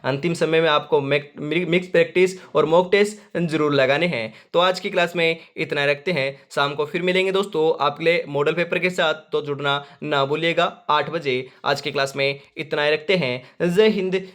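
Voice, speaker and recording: A man's voice: on the high side, moderate pace, few pauses, a bit bright. Emphatic young male exam-prep teacher. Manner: repetitive, emphatic, addresses viewers as friends. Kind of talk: quiz-answer lesson for an exam.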